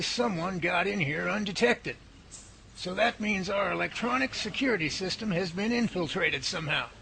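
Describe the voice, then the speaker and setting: A man playing a professor who calmly reasons things out and takes charge, in an amateur radio drama. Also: high-pitched, creaky, full character voice. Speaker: professor leading a research lab. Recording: noisy amateur recording.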